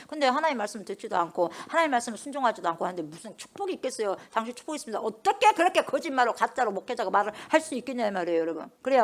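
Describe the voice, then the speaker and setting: A middle-aged woman pastor, preaching a sermon and firing rhetorical questions at the congregation. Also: fairly high pitch.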